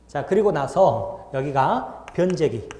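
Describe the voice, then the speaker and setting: Animated male lecturer in an echoey hall. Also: a little high, takes it slowly. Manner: asks the class frequent check-in questions. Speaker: law lecturer. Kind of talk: classroom lecture.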